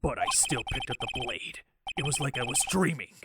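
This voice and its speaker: A man playing a bitter, remorseful former defense attorney in a game fan dub, gravelly and brooding, delivering theatrical confessions. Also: medium pitch, sing-song, moderate pace, very noisy. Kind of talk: dramatic visual-novel game fan dub. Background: loud music.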